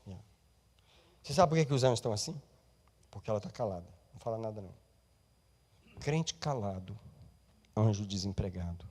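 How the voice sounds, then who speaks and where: A male pastor preaching a sermon in a church, moving between soft, intimate talk and loud exhortation. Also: fairly low pitch, expressive, brisk, pauses often, breathy edge.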